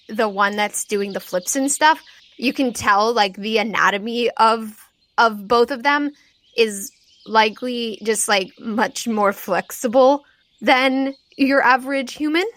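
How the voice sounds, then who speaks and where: A woman improvising scene narration as game master, in a halting, conversational way full of "like". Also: a little high, fairly bright tone.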